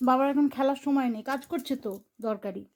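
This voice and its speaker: A woman's voice: high voice, fast talker. Woman coaxing and scolding her kitten. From Bengal. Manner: coaxing and scolding a pet, shifting between soft calls and louder reproach. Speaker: vlogger. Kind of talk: talking to her kitten while filming.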